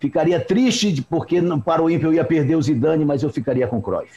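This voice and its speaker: His pitch is fairly high for a man. The tone is dark and mellow. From Oriximiná, Pará, Brazil. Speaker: radio sports journalist. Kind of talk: casual chat.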